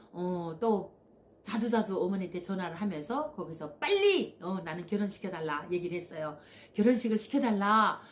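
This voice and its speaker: A woman's voice: medium pitch, a little hiss or hum. A woman from Korea, telling a personal story on her own channel. She talks animatedly, acts out the voices of people she quotes, and often slips in "yes" and "uh" as fillers. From North Korea. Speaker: channel host.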